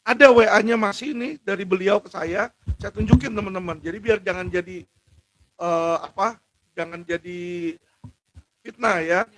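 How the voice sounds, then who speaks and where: Indignant high-voiced man. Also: moderate pace, long pauses. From Indonesia. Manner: indignant, rising to shouts. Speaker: lawyer speaking out on legal injustice. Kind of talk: impassioned monologue to camera.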